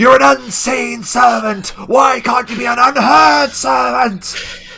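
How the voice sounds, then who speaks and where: Putting on a character voice, a man speaks high in pitch at a fairly slow pace, his pitch swinging very widely. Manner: angry, bellowing.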